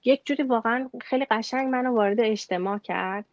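A woman from Iran with an Iranian accent, answering interview questions conversationally in a halting way, mixing in English loanwords. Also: on the high side, no echo, highs cut off. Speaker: interview guest, bank employee.

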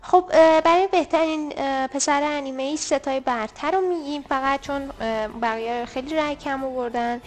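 A woman co-hosting a podcast, reading out poll results in casual chat, brisk and a little teasing. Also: high voice, fairly even intonation, soft background music. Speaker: podcast co-host.

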